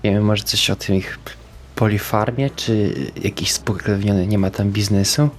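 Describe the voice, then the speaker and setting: A man's voice: fairly low pitch, flat delivery, moderate pace, slight background noise. A man speaking in character in a tabletop roleplaying game, hesitant and jumpy, slipping into whispers. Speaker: player.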